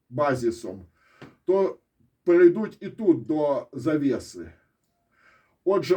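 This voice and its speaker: A man's voice: a little high, dark tone. A man with a Ukrainian accent giving blunt, sarcastic solo commentary on a war, swearing freely and breaking into pointing asides. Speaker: military-political commentator. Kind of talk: casual solo commentary with map.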